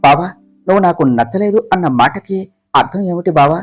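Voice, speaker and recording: A storyteller voicing a shy, loving young wife in an audiobook romance, speaking softly and pleadingly. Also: medium pitch, animated, fairly quick, soft background music, voice pushed down, natural voice.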